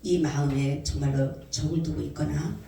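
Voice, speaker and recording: Female pastor giving a testimony sermon, slightly low voice, heard from afar in a reverberant church. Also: normal speed, creaky. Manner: animated storytelling, acting out quoted voices. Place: church sanctuary. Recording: echoey church hall mic from a distance.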